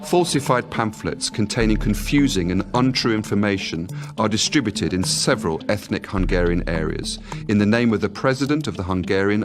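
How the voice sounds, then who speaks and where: A man giving scripted documentary narration in a measured, formal reading, also voicing translated quotes. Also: on the low side. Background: music bed.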